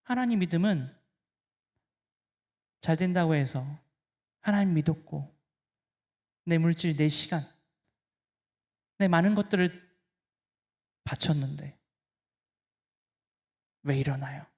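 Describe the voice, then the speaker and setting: A man preaching a sermon as pastor, talking straight to the congregation and swinging between hushed and loud. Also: a little high, a little slow, long pauses. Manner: addresses the congregation directly.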